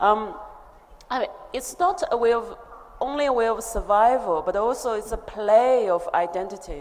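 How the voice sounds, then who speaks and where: A woman's fairly high voice with a Chinese accent, lively intonation and a moderate pace, with audible room echo. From China. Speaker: novelist. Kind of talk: panel discussion. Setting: stage with audience.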